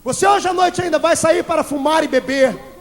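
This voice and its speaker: A Brazilian man preaching a fiery Pentecostal sermon as pastor, shouting at the congregation and then dropping to low, intense tones. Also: moderate pace. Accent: Brazilian Portuguese. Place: large church. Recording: long hall echo, old VHS tape.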